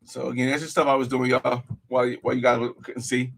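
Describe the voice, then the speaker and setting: Husky, gravelly man chatting while he works. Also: mid-range voice, level tone, fast, a bit bright, rough recording. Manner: laid-back, talks to viewers as "y'all", mutters while working. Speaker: YouTuber. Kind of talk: casual live-stream commentary while editing.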